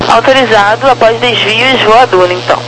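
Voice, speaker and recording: A woman's voice: a little high, fairly quick, over music. A woman with a Brazilian accent giving clipped, procedural instructions as an air traffic controller over aviation radio. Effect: aviation radio transmission. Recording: noisy aircraft radio channel with hum.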